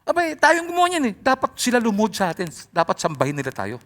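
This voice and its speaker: A scoffing male statue carver, acted out by a man in a sermon story. His voice jumps much higher than the preacher's own. It swings widely as he mocks. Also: huge pitch swings, fast, heavily acted. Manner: loud, raised, mocking. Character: blunt male statue carver, mocking worshippers.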